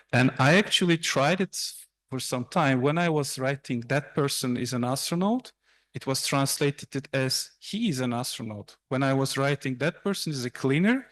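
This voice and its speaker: A young adult man whose first language is Turkish gives a university seminar talk in a lecture room, explaining slides in a halting way with fillers and restarts. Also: medium pitch. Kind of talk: academic presentation.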